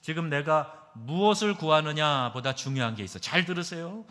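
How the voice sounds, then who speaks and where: A man, a pastor, preaching a sermon emphatically, asking his congregation questions and moving between loud stresses and soft asides. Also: on the high side, moderate pace. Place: church sanctuary. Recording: long hall reverb.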